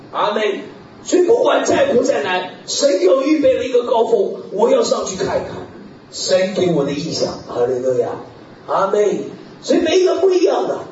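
A male preacher with a fairly high voice that swoops widely as he delivers a lively sermon, punctuated by hallelujahs and amens and frequent chuckles. He sounds far from the mic in a very echoey hall. The recording is dull and lo-fi. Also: background noise. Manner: animated, peppers talk with hallelujah and amen; chuckles often, bursts into shouts.

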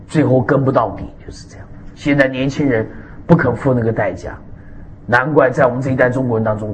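A man preaching a sermon, animated and emphatic, with frequent hallelujahs and amens. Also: mid-range voice, slight background noise. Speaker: pastor.

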